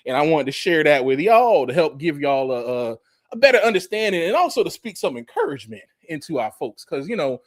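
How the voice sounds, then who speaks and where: A Bible teacher in his forties, his voice fairly high, sing-song and fairly quick, teaches from scripture in a casual, conversational preaching style. He keeps restarting phrases, says "you know" often, and throws in emphatic, mocking asides. The recording is dry and studio quality.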